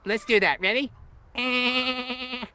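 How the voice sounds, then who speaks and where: A woman's voice: medium pitch, big pitch swings, normal speed, fairly bright tone. A woman presenting for children, playfully exclaiming and asking simple questions. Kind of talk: playful children's educational chat.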